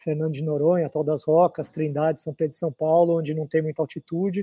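A fairly high-pitched man at a fairly quick pace, with monotone, flat intonation. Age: 50s. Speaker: long-distance cyclist. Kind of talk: casual chat.

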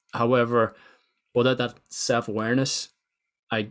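A man speaks at a moderate pace with an Irish accent. His pitch is medium and his intonation fairly even. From Ireland. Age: 30s. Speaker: podcast host. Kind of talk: casual interview chat.

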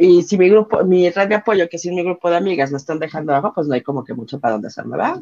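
A woman speaks at a very fast pace with hardly any pauses, her fairly low voice carrying a dark, mellow tone. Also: lively intonation. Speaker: podcast co-host. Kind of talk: casual chat.

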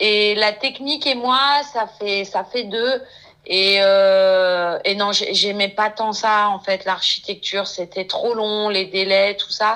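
A woman speaks at a very slow pace in a medium pitch. Her intonation stays fairly even. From France, Haute-Savoie countryside. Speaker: street artist. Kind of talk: interview. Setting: in her studio. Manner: hesitant, many fillers.

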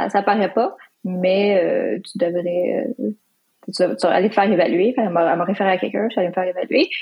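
A woman speaks at a moderate pace. Hers is an unremarkable speaking voice at a medium pitch. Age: 20s. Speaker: lawyer and entrepreneur. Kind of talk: interview.

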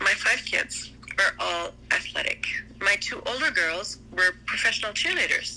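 Fairly slow delivery from a woman, with noticeable background noise. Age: 50s. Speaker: caller. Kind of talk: casual chat.

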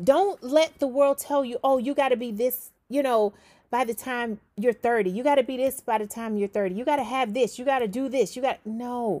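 A woman speaks at a high pitch and a moderate pace, her tone animated and her intonation lively. The very clean recording has a silent background and a dry, close sound with no echo. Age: 40s. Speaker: podcast host. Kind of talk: solo advice monologue.

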